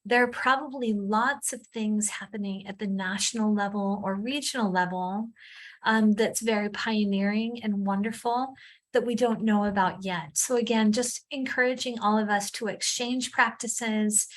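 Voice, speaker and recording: A woman's voice: mid-range voice, steady tone, moderate pace. A woman facilitating an online meeting in a friendly, informal way with some fillers.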